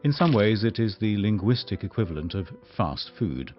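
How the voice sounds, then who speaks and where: A man delivering a measured scripted speech in a slightly dull, muffled recording. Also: lowish voice, animated, faint music behind. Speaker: voice-over artist.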